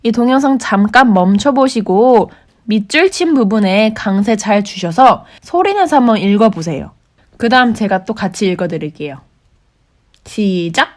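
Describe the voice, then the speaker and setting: A young woman giving a patient, clear lesson on saying prices in English, slowing down to model each word. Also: medium pitch, expressive. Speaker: English teacher for working holiday makers. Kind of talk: explanatory language lesson.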